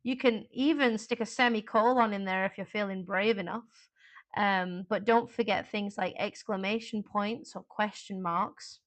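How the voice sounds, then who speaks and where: A woman's voice: medium pitch, fairly even intonation, normal speed. A woman teaching an exam class in a chatty, informal live online lesson, with frequent fillers and asides.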